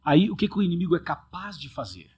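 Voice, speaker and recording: A man hosts a podcast as a pastor. He teaches from the Bible in a casual, earnest way and keeps asking his listeners rhetorical questions. His voice sits a little high and sounds husky. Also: very animated, quick pace, darkish tone.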